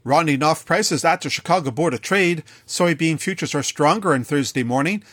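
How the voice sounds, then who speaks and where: Husky-voiced Canadian man reading a radio farm report. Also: a little high, moderate pace, fairly bright tone, dry recording.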